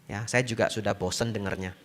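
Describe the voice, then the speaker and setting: A man's voice: on the low side, fairly quick. A man from Medan giving a sermon as a Buddhist monk, telling a story and acting out the voices in it. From Medan, Indonesia. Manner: animated storyteller, acts out quoted voices, laughs often.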